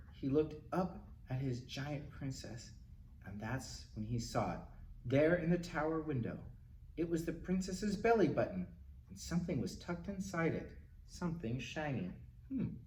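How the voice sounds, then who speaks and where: Male storytime reader for a picture book, lively swooping intonation and playful asides, heard in an echoey room with faint noise. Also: fairly high pitch. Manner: animated, dramatic, with exclamations and asides to children. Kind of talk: expressive children's picture-book read-aloud. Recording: roomy, distant mic, faint noise.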